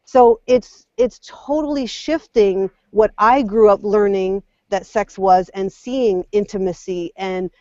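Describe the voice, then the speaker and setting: A woman in her forties, a mother and guest, speaking openly and warmly from the heart on a casual panel show, thinking aloud as she goes. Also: medium pitch, takes it slowly, hardly any pauses, no room sound, dull audio.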